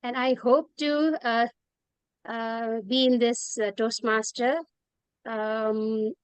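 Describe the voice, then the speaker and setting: A woman from Nepal speaks hesitantly on a video call, filling her pauses with many "um"s. Her voice is smooth and fairly high. The sound is dry and close. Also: fairly even intonation, no echo. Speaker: first-time meeting guest. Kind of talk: casual online meeting comments.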